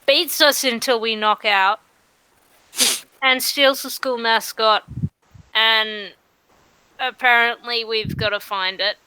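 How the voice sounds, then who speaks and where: A woman voicing an aggrieved teenage adventuring-school student in a tabletop game, complaining earnestly and haltingly. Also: fairly high pitch, steady tone, sharp tone, clear, resonant tone, low-quality recording. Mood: indignant.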